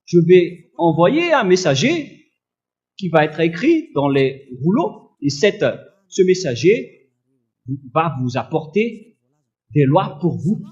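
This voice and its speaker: A man preaching a fervent sermon in a loud, forceful, admonishing manner, reading and explaining scripture. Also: a little high, very animated, slow pace, long pauses, lo-fi sound. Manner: accusatory, admonishing.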